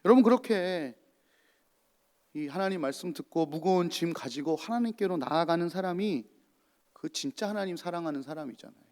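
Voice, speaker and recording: A man's voice: a little high, expressive, moderate pace, darkish tone. A male pastor giving a sermon and asking the congregation rhetorical questions. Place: church. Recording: long church reverb.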